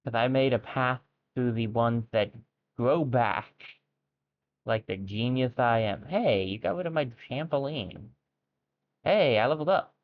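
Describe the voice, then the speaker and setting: Streaming a game, a man talks through his thoughts in casual let's-play commentary, mixing in self-deprecating, wry humor. His medium-pitched voice has lively intonation and a measured pace, heard through tinny, phone-like sound.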